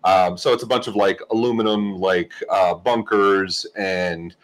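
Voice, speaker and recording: A man's voice: low voice, unhurried. A man co-hosting a casual tech podcast, telling stories with lots of laughter and casual swearing. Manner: animated storyteller, laughs often, swears casually. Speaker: podcast co-host. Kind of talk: casual chat, storytelling.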